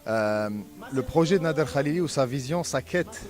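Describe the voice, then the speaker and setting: A man's voice: on the high side, animated, normal speed. A male student answering an interview, earnest, with fillers. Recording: music playing over the voice.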